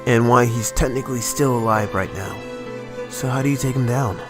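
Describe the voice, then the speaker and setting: Guy playing a quick-witted hero's ally, casual, curious, concerned, radio drama, music behind. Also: mid-range voice, lightly acted. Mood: inquisitive. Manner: informal, inquisitive. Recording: music under the voice.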